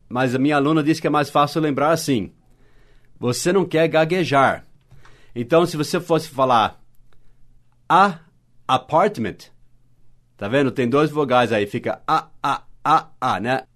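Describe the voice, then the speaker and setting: A man with a Brazilian Portuguese accent teaching basic English on a podcast, explaining slowly and spelling words out letter by letter. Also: medium pitch. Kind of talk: podcast lesson.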